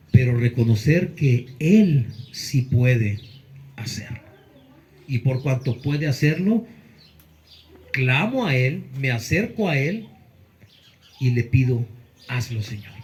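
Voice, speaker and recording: A male pastor preaching a Sunday sermon, earnest with emphatic pauses. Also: fairly high pitch, mellow, slight background noise, poor audio.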